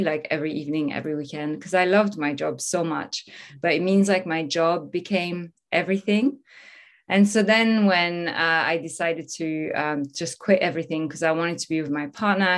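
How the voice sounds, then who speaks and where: A woman from France with a French accent, telling her story as a podcast guest with lots of fillers. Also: low-pitched. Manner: enthusiastic, storytelling, many fillers. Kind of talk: casual interview talk.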